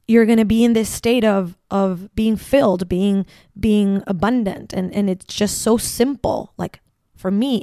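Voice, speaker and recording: A woman's voice: mid-range voice, darkish tone, no echo, clean studio sound. A woman from Ecuador with a Latin American Spanish accent, hosting a solo spiritual podcast, effusive and repeating phrases for emphasis. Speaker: podcast host.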